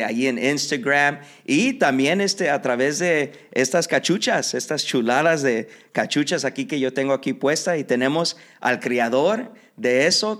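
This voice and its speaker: A man hosting a podcast interview in a relaxed, chatty way, full of fillers and slipping between Spanish and English. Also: mid-range voice. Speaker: podcast host. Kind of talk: casual bilingual interview.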